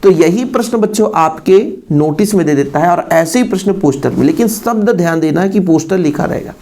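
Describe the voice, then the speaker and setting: With a high, gravelly, warm voice and lively intonation, a male teacher moves fairly quickly through an exam-prep lesson. He uses an Indian accent when reading English, repeats phrases, and asks rhetorical questions of his students.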